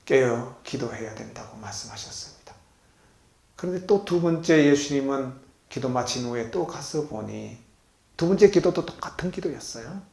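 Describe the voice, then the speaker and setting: A man preaching as a pastor, leading the congregation in reading and call-and-response, moving between loud exclamations and soft low asides. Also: lively intonation, moderate pace, vocal fry. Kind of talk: sermon with congregation reading along. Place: healing center meeting hall. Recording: echoey hall.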